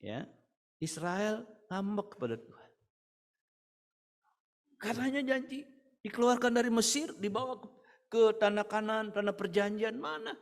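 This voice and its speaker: A man preaching a church sermon with an Indonesian accent, piling up rhetorical questions and swinging from loud to hushed. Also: sits high, animated, measured pace, long pauses. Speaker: pastor. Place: church hall. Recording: church service with hall reverb.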